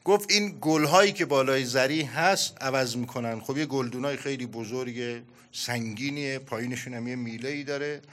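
A middle-aged man preaching a sermon, telling a story with animated storytelling and acted-out dialogue. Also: mid-range voice.

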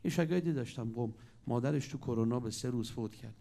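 Gravelly voiced guy giving an emotional sermon, mid pitch, goes loud then quiet. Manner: dramatic storytelling with sudden swings between loud and hushed. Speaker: preacher.

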